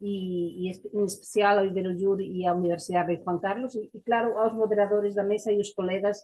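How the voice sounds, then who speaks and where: Speaking in a Spanish accent, a woman uses a medium pitch and a fairly quick pace. Her intonation is monotone and flat. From Galicia, Spain. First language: Galician/Spanish (speaking Portuguese). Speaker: university researcher. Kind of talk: conference presentation. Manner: halting, many fillers and restarts.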